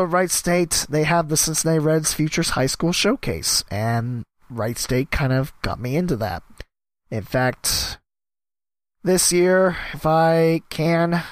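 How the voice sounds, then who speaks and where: A man's voice: on the high side, no room sound. A man hosting his own podcast, rambling casually and joking at his own expense, his voice worn from a cough. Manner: rambling, self-deprecating, jumps between topics. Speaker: podcast host and sports announcer. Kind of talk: casual solo podcast monologue.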